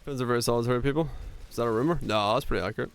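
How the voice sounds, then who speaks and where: A man from Finland with Finnish as his first language, streaming a game and chatting easily with viewers between laughs. His voice is smooth and clear, pitched in the middle for a man. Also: racing. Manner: relaxed, answers chat questions, laughs easily. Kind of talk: casual chat with viewers while gaming.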